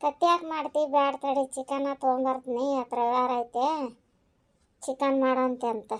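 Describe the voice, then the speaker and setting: Over a quiet background, a cartoonish character voice moves at a fairly slow pace. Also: female-sounding voice, high pitch for a woman. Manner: familiar, commanding.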